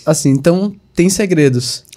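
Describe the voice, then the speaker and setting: A man from northeast Brazil hosting a podcast, asking questions in a relaxed, chatty way. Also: on the high side. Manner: relaxed, asks questions with quick reactions. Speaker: podcast host. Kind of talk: casual interview.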